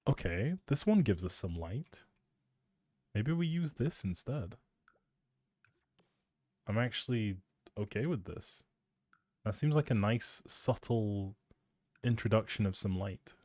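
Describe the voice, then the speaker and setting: Male streamer, soft mellow tone, casual teasing ramble, close dry mic. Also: on the low side, animated, takes it slowly, long pauses, dry recording. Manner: playful, teasing, thinking aloud. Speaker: live streamer.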